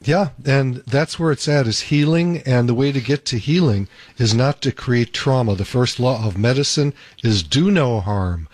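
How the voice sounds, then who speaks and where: A man's voice: medium pitch, lively intonation, normal speed, hardly any pauses, a little mellow, no room sound. A man hosting a live radio talk show as a doctor, talking in an easygoing, chatty way with fillers. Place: radio studio. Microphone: studio microphone.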